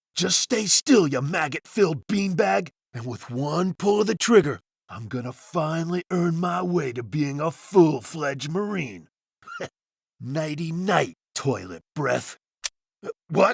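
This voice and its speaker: A man does a put-on character voice, pitched fairly high. He speaks at a fairly slow pace with lively intonation and big swings in loudness. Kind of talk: comedy audio sketch, multiple character voices.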